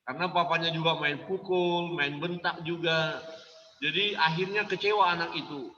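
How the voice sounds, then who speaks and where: A man preaches to church workers in an anecdotal, animated way, laughing as he goes. His voice is sharp and bright and rather high. It comes from far off in a reverberant church hall, with a dull, muffled sound. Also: normal speed, a little hiss or hum. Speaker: pastor.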